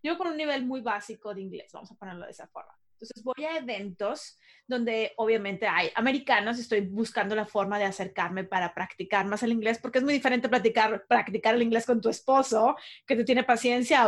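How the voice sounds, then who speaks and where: A woman's voice: a little high, a little fast. A woman hosting a casual interview, telling stories animatedly and laughing at herself. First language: Spanish. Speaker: host.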